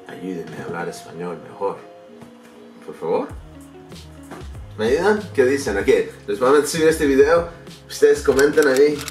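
A lively man in his thirties talks straight to camera at home, gesturing as he goes and often stopping to hunt for the right word in a language that is not his first. His voice sits at an ordinary pitch and bounces around an echoey room. He is heard a little off-mic, with faint music underneath. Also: far from the mic. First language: English. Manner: animated, gestures a lot, searches for words and restarts. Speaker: vlogger. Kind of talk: casual vlog to camera. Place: bedroom or home office, indoors.

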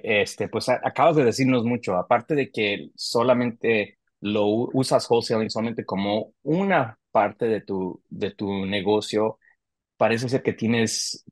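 A man's voice: on the low side, no echo. A man, hosting a casual interview over a video call and talking with many hesitations and restarts. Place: home office on a video call.

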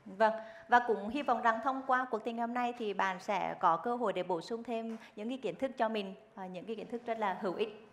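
A young woman presents as a game show host in a high-pitched voice. Her delivery is formal and articulate as she reads questions and addresses contestants from a studio stage. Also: a little fast. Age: young adult. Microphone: headset microphone.

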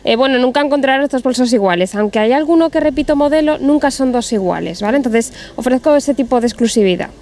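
A woman's voice: high-pitched, lively intonation, fast, hardly any pauses, a little mellow. A woman designer answering interview questions about her handbags in a friendly way with many fillers, outdoors into a handheld mic. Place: outdoor market.

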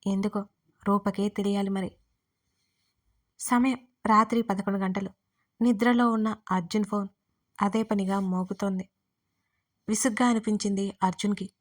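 A woman storyteller narrating a romance audio story in an expressive storytelling manner. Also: medium pitch, moderate pace, pauses often.

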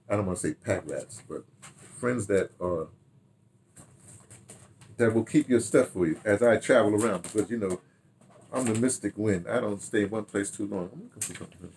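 A man's voice: lowish voice, a little mellow, slight background noise. An older man reminiscing casually to camera, rambling and repeating phrases as he talks half to himself. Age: older, 60s or 70s. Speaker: radio drama director and producer reminiscing. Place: furnished room at home, indoors.

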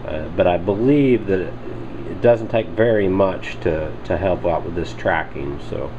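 A man calmly explaining, step by step, the work he is doing in his home workshop, recorded on a handheld camera. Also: deep voice, muffled recording, noisy background. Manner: plain step-by-step explaining, unhurried. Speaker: hobby machinist reviewing a tool. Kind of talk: casual workshop demonstration. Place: home workshop with lathe and bench. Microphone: handheld camera mic, speaker off screen.

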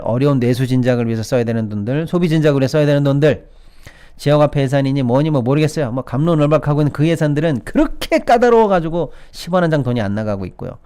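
Man, middle-aged, sarcastic commentary, swinging animated pitch, keeps addressing viewers. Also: clear, resonant tone. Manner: sarcastic, mocks officials in put-on quotes, frequent "예" and "여러분". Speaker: political-economy commentator. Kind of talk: opinionated solo commentary.

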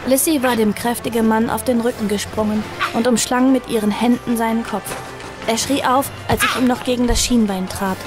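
Actress as earnest young woman, high voice, frightened refugee, audio drama, music behind. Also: steady tone, moderate pace, close to an everyday voice. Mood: tense recounting. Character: Abby, earnest frightened young woman fleeing her uncle. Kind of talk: audio drama acting and first-person narration.

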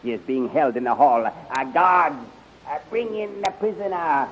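An actor playing an obsequious, nervous palace official in a 1930s radio drama style. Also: male voice, on the high side, measured pace. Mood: deferential. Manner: fawning, hesitant, pleading. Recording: muffled, hissy 1930s radio recording.

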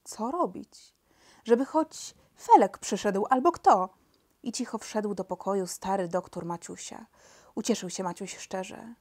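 A woman's voice: medium pitch, unhurried. Woman reading a children's audiobook. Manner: expressive storytelling. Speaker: audiobook narrator.

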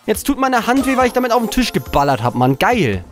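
A let's play host gives live gameplay commentary from his desk indoors, frustrated, swearing and then talking himself calm. His voice is high and fairly quick, heard over music.

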